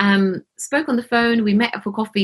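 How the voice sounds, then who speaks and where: A somewhat breathy voice with a London accent. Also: woman. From West London (Hounslow), British Punjabi family. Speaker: property investor. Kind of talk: interview. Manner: animated.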